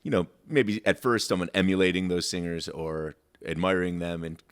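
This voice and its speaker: Very deep-voiced baritone man. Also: fairly bright tone. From Michigan, USA. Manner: rambling, many fillers and restarts. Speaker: songwriter guest. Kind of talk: casual interview chat.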